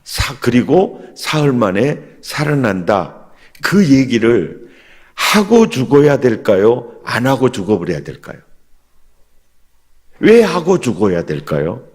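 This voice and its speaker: A man preaching a revival sermon as pastor, animated and asking the congregation questions. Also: medium pitch, slow pace. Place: church sanctuary. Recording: long hall reverb in church.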